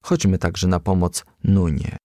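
A man's voice: low voice, level tone, measured pace, mellow, no room sound, clean studio sound. A man voicing an earnest, helpful young male firefly in a children's storybook. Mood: eager, earnest. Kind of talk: storybook character reading.

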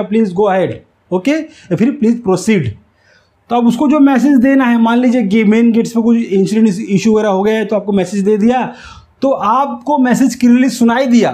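A man teaches in a high, soft-edged voice. He explains things step by step as an instructor does, going back over key phrases so they stick. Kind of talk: instructional whiteboard lesson. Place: small indoor room with whiteboard. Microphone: lapel mic.

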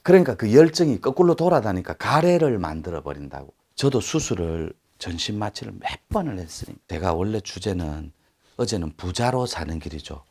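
A man giving a live lecture, talking straight to his listeners in an animated way. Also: lowish voice, moderate pace, breathy edge. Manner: animated, acts out quoted speech, addresses listeners directly.

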